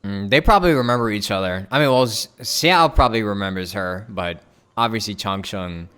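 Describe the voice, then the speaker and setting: A man's voice: fairly low pitch, brisk, fairly bright tone, clean tone. A young man streaming a game with casual, informal commentary and wry asides.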